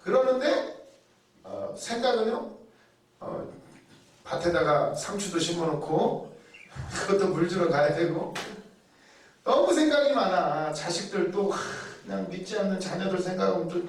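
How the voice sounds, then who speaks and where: A man preaching a sermon in a chatty way, asking rhetorical questions and acting out people's inner thoughts. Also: sits high. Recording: very echoey room, heard from a distance.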